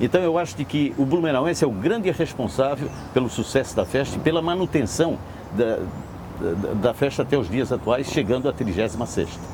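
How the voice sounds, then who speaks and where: A man at medium pitch with very wide pitch swings, talking fairly quickly over noticeable background noise. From Blumenau, Santa Catarina, southern Brazil. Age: 70s. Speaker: former mayor. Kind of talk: interview. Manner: halting, with repetitions and fillers.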